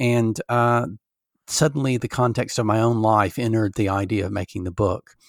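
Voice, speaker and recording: A man with an American accent speaks at medium pitch and a moderate pace, his intonation fairly even. The recording is very clean with a silent background and a dry, close sound with no echo. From US South, Alabama. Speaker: AI scientist and author. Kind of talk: interview. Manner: halting.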